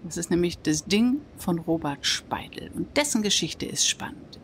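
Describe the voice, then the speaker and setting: A woman's voice: on the low side, very animated, normal speed, slight background noise. A woman hosting a podcast interview, chatty and prompting her guest with little tag questions. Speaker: podcast host. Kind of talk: casual interview.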